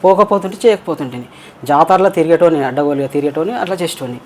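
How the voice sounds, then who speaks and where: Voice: mid-range voice, fast, slight background noise. A transgender interview guest with a Telangana Telugu accent, telling long rambling personal stories and acting out quoted voices. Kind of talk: casual storytelling.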